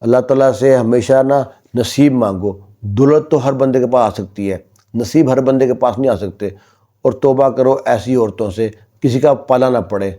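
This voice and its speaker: Storyteller: man, mellow warm tone, casual retelling with dramatic bursts of dialogue. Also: medium pitch. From Pakistan. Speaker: storyteller and channel host.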